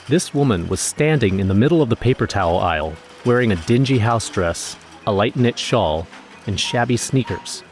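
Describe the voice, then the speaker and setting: Casting: wry, nervous everyman narrator, lowish voice, scripted horror audio drama storytelling. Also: expressive, normal speed, a little mellow, slight background noise. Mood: wry, uneasy.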